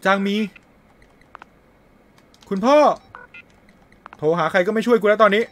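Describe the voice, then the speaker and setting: A man's voice: high voice, steady tone, unhurried, a bit bright, soft background music. A man streaming a horror game, muttering and swearing casually to himself as he plays. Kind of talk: casual let's-play commentary.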